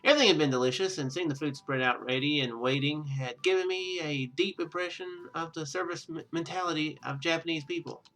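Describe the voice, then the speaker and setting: A man's voice: fairly high pitch, a little fast, hardly any pauses, a bit bright, soft background music, poor audio. A man hosting a gaming video, reading a visual novel aloud with casual commentary and stumbling over lines as he goes. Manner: stumbles over read lines and corrects himself.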